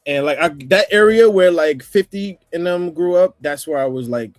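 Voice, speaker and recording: A man with a New York accent talking casually on a livestream panel, rambling, with restarts and throat clearing. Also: a little high, moderate pace, dry recording, soft background music. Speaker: panel guest.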